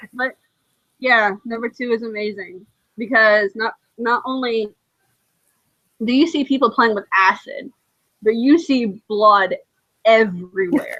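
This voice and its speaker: A woman with a Southern US accent speaks at a fairly slow pace with long, frequent pauses, her fairly high voice bright, sharp, and animated, with ordinary pitch variation. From US South. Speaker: online show host. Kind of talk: casual chat.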